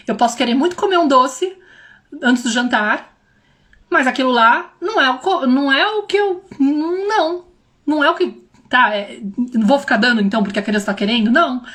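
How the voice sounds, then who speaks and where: A young woman with a high, bright-toned voice gives a casual livestream talk as a parenting mentor. Her São slips in often, and she talks straight to her viewers with lively, animated delivery. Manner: animated, addresses viewers directly, acts out quoted voices.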